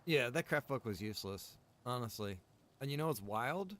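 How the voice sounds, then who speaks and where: A man's voice: mid-range voice, expressive, moderate pace, fairly bright tone. A man chatting casually while streaming a game, informal and slangy, with some swearing. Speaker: streamer and game server developer.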